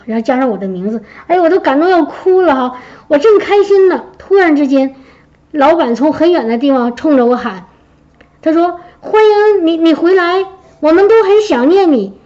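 A woman giving a personal testimony to her congregation, telling her story in a lively way and acting out what others said. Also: high voice, highs cut off. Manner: lively storytelling, acts out quoted speech. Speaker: church member giving a testimony.

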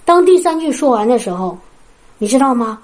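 A woman's voice: fairly high pitch, sing-song, a little fast, a little mellow. A woman from China preaching a sermon. She tells her own testimony in an earnest, storytelling way and speaks directly to her listeners. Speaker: preacher at a healing prayer meeting.

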